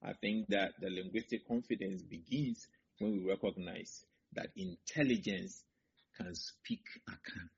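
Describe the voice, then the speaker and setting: Man, linguistics professor, fairly low voice, measured and methodical, slightly muffled audio. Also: steady tone, vocal fry, husky. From Ghana. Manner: measured, lists points in order, firm conclusions. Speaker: associate professor of linguistics, interview guest. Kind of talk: explanatory interview answers.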